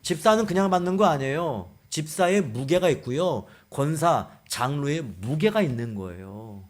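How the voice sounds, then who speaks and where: A man's voice: a little high, expressive, normal speed. A man preaching a sermon as a guest pastor, firing rhetorical questions and leading the congregation in reading aloud.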